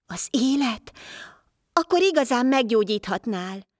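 A woman voicing a leper man in a folk tale, higher and more urgent than her narration. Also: very animated, no room sound, studio quality. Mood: pleading. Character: leper man, desperate then hostile.

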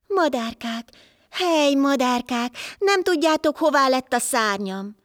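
A woman's voice: high voice, expressive, no echo, studio quality, pitched above the performer's own voice. A woman voicing a stranded winged wanderer who pleads for lost wings in a folk tale. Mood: pleading. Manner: pleading, insistent.

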